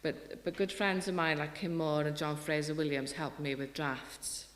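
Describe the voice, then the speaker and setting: A middle-aged woman poet from Wales with a Welsh accent, giving an earnest festival talk and reading her poetry, often restarting her sentences. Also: low voice. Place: hall. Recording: roomy hall reverb.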